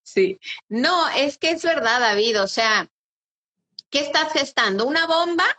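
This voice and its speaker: A woman's voice: sits high, animated, measured pace, sharp tone. Woman co-hosting Bible chat. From Mexico. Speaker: Bible study co-host. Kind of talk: casual Bible study chat.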